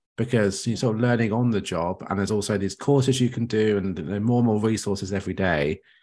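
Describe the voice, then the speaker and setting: At a very fast pace and with hardly any pauses, a man speaks over a quiet background. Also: fairly low pitch for a man, ordinary pitch variation. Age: 30s. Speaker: podcast host. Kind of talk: casual chat.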